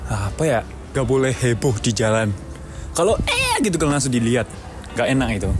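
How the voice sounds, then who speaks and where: A man's voice: mid-range voice, wildly swooping pitch, brisk, music in the background. Playful man speaking slangy Indonesian. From Japan. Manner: playful, repeats and corrects himself. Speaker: interviewee. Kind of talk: casual slangy chat in Indonesian as a foreign speaker.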